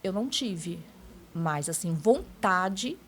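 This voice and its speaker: A woman with a lowish, expressive voice takes her time as she gives a casual testimony. As a church member telling her story to a pastor, she keeps addressing him as pastor and frequently finishes sentences with "né?".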